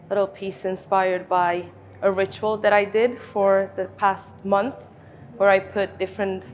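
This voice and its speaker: A young woman from Romania, a master's student, talking thoughtfully about her art project and pausing to find her words. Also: fairly low pitch, lo-fi sound, slight background noise. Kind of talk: reflective interview talk.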